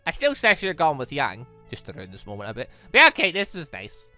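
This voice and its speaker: A man's voice: fairly high pitch, wildly swooping pitch, fast talker, sharp tone. A man hosting a casual visual novel playthrough, commenting as he goes, with game music behind him. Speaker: gaming video host.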